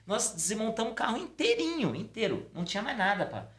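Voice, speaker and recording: A middle-aged man, a podcast guest telling a personal story casually and acting out the dialogue. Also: a little fast. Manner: animated storytelling, acting out dialogue with pitch swings. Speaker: podcast guest, Umbanda priest.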